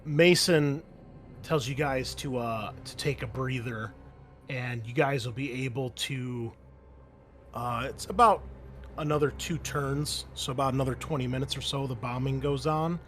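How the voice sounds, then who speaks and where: A man running a tabletop game, improvising narration in a halting way. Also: mid-range voice. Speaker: game master.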